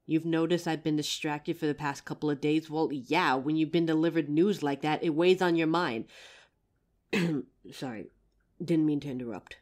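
Playing an anxious, protective female werewolf addressing her partner, a young voice actor speaks in a low, darkish, natural-sounding voice for an audio roleplay listener. Her intonation stays fairly even at a normal speed. Worried and hesitant, she stammers and frequently sighs.

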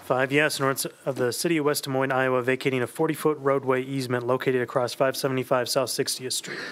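A man serving as city clerk, rapidly reading vote tallies and ordinance titles in a flat manner at a desk microphone in a council chamber. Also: medium pitch.

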